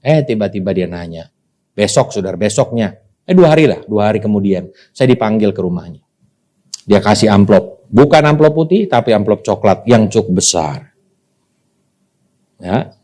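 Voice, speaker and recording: An Indonesian man preaching from the pulpit, his voice mellow and warm in tone. He moves between calm, low asides and bursts of excitement, and he keeps calling on the congregation to answer him. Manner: animated preaching, calls to the congregation. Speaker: pastor. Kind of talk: sermon.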